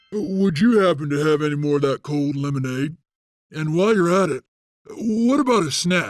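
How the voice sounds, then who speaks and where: A man puts on a cartoonish character voice, fairly high in pitch, at a moderate pace. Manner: gruff, possessive.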